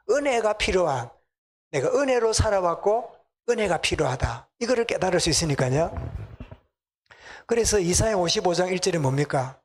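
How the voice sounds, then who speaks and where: A middle-aged man with a Gyeongsang accent preaching a sermon in a church, chatting with the congregation and asking them questions. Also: high voice. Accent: Gyeongsang Korean. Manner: conversational, asks the congregation questions. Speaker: pastor. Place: church sanctuary.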